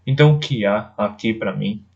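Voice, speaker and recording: A man's voice: on the low side, a little fast, creaky, darkish tone. A man voicing a proud, defiant young male wolf in an audiobook, talking in a scornful, insistent way. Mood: questioning. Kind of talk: audiobook character voice. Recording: dull lo-fi recording.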